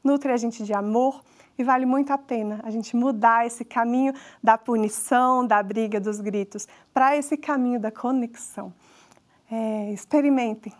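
A woman's voice: a little high, fairly even intonation, normal speed. A woman and mother with a Brazilian accent, giving a conversational lecture to parents and talking straight to the audience. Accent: Brazilian Portuguese. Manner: conversational, addresses audience directly. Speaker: parenting talk speaker.

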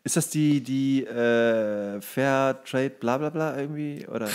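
Male podcast co-host, medium pitch, teasing and colloquial, comedic banter. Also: slow, darkish tone, clean tone. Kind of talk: casual comedic podcast chat.

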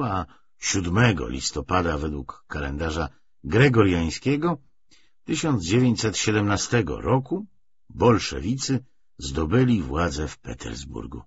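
A man reading a literary audiobook with expressive, deliberate delivery. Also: low voice, muffled recording, a little hiss or hum. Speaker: audiobook narrator. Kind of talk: literary audiobook narration with acted dialogue.

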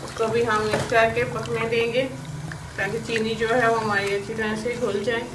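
Pakistani woman, cooking host, fairly high flat voice, echoey kitchen far from the mic. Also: moderate pace. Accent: Urdu-speaking Pakistani. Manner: homely, repeats filler "jo hai" constantly. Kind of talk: step-by-step recipe narration. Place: home kitchen. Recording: echoey, distant kitchen recording with faint hiss.

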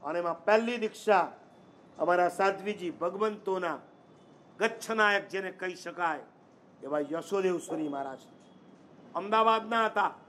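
A man's voice: high voice, fairly bright tone, slight background noise. A man preaching a sermon, telling stories emphatically and quizzing the audience with rhetorical questions. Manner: storytelling, emphatic delivery.

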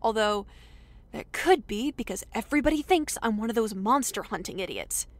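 A woman's voice: a little high, animated, moderate pace, no echo, lightly acted. A woman playing a sardonic, defensive researcher who swings from formal to flippant in a comedic audio drama log. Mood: dry, flippant. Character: snarky, defensive female paranormal researcher, adult.

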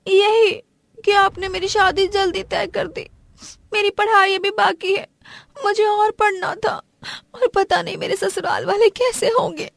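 High-voiced, anxious young Indian bride. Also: female voice, fairly even intonation, measured pace, vocal fry, full character voice. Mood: plaintive. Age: young adult. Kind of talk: Hindi animated family drama voice acting.

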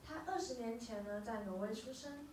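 A woman interpreting live from a stage, speaking quickly with short filler hesitations. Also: fairly high pitch, noisy background. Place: small dark music venue. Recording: roomy venue, from far off.

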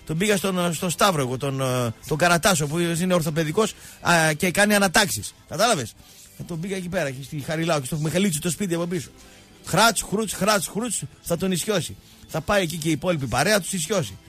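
A man's voice: a little high, a bit bright, soft background music. A male radio show host rambling through mocking, jokey sports banter.

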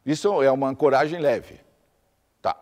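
A man's voice: medium pitch, moderate pace, darkish tone, long reverb tail. A man giving a teaching lecture, explaining step by step with lists and repeated examples.

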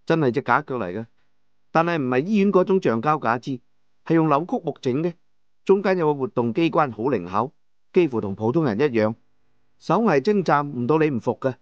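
A man narrating a first-person audiobook novel in a measured storytelling manner, over soft background music. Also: a little high, animated, no room sound, highs cut off. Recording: dry studio with soft music.

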